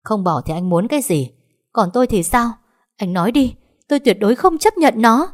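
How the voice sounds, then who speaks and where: A woman voicing a betrayed young wife in an audio story, bitter and often shouting. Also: on the low side, expressive, normal speed, close to an everyday voice.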